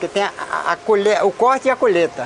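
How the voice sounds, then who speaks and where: Noticeable background noise sits behind a man talking at a moderate pace. His voice is high-pitched. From Brazil, interior of Amazonas near Acre. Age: 60s. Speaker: former rubber tapper. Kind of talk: testimony.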